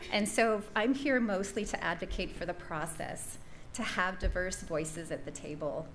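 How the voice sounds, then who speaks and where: A woman giving an earnest, measured public comment at a school board meeting. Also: on the low side. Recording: roomy echo, faint noise.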